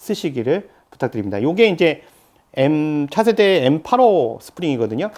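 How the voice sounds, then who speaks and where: This man has a fairly high pitch and a dark, mellow tone, moving at a moderate pace with very wide pitch swings. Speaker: airsoft shop owner and channel host. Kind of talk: tutorial. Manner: explanatory, conversational.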